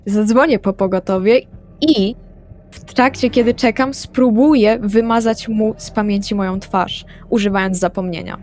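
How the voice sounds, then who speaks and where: A woman's voice: mid-range voice, normal speed, a little mellow. A woman taking part in a tabletop role-playing game as a player, stating her actions and discussing rules. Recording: background music under the voice. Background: music.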